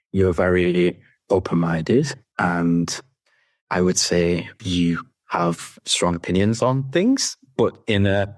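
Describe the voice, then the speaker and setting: A man answers podcast questions in a careful, slightly posh manner. His voice is very deep. The recording is dry and close. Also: no echo. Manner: self-consciously posh, careful. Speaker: podcast guest. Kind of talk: casual interview answers.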